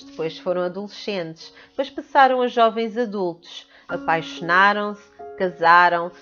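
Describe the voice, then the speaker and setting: A woman's voice: medium pitch, fairly bright tone, muffled recording. A woman with a European Portuguese accent, hosting a spiritual video with earnest, emphatic speech and much repetition. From Portugal and the Netherlands. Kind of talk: spiritual talk to camera.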